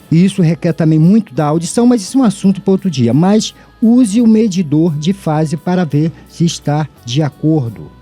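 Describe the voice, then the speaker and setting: A man's voice: a little high, mellow, slightly rough. A middle-aged Brazilian man with a tongue-tied lisp and slushy sh for s, teaching an audio lesson in a didactic way with rhetorical questions. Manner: didactic, addresses listeners formally, asks himself questions. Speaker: audio tutorial host. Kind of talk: informal scripted-free audio lesson. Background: background music.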